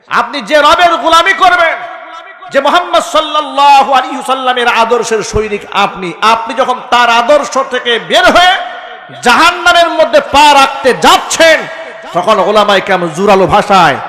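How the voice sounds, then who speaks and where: A man preaching a sermon, firing rhetorical questions at the crowd and breaking into shouts. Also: very high voice. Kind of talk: Islamic sermon. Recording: echoey hall with long reverb.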